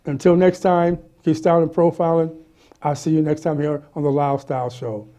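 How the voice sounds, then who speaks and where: A middle-aged man with a high, mellow voice hosts a laid-back studio talk show. He laughs a lot, stumbles and repeats himself as he chats with his guest. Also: normal speed. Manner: animated, laughs often, stammers and repeats words. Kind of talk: casual interview chat. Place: small studio set with city backdrop, indoors.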